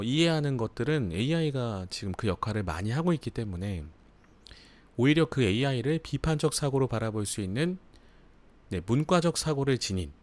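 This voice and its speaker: A man hosting a live book review, chatting casually with frequent laughs and fillers. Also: medium pitch. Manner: chatty, laughs often, filler-heavy asides. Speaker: book channel host.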